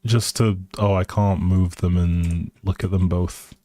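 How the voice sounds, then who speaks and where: Low-pitched and steady, this man speaks at a measured pace with a dark tone in a dry recording. He is a live streamer casually chatting through a building game, pondering minor decisions and responding to his audience.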